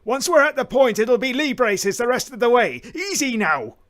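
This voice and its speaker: A gruff old smuggler captain from an audio short story, acted out by a male reader. He is stoic and commanding, with rough, plain speech. His voice lifts well above a narrator's register, in a close, dry recording. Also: very high-pitched, sing-song, moderate pace, fairly bright tone, dry recording, voice pushed up, heavily acted. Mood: urgent, shouting.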